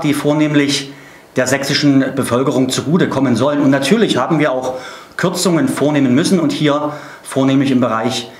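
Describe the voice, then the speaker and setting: A man's voice: mid-range voice, echoey room. A middle-aged man delivering a political statement to camera as a party spokesman.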